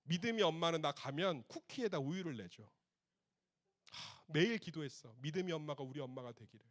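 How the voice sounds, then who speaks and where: Animated middle-aged male pastor preaching. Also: fairly high pitch, a little fast. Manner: animated storytelling, swings between loud outbursts and soft hushed passages; addresses teens directly in casual speech. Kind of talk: youth retreat sermon.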